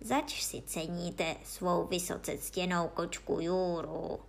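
A woman voicing a stout, strict male judge who thunders and shouts at the accused, in a children's story reading. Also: lowish voice, steady tone, creaky. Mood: sladce podlézavý. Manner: hřímá, křičí na obžalovaného. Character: tlustý přísný soudce, hřmotný muž.

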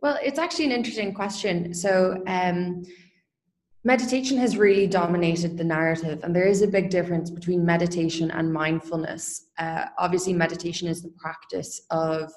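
A woman's voice: lowish voice, fairly even intonation, brisk, darkish tone. A young woman speaking as an interview guest, earnest and open, talking freely about her work. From Ireland. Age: young adult. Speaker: guest, company founder. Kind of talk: casual interview talk.

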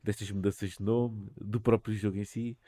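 A man's voice: on the low side, flat delivery, moderate pace, mellow. A man with a European Portuguese accent hosting a podcast, jokey and full of colloquial idioms, who asks long winding questions. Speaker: podcast host. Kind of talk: casual interview chat.

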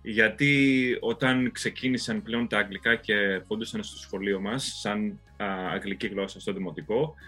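A man with a bright but husky voice, joking around in casual podcast chat and stumbling over fillers. Faint music plays underneath. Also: fairly low pitch, steady tone, few pauses. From Greece. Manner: joking, hesitant with many fillers. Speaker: podcast co-host. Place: living in the United States.

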